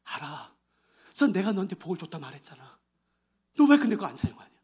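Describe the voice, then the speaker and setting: A man voicing God, who calmly and gently reproves a complaining believer. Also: high-pitched, fast, breathy edge, voice pushed down, heavily acted. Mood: gentle rebuke.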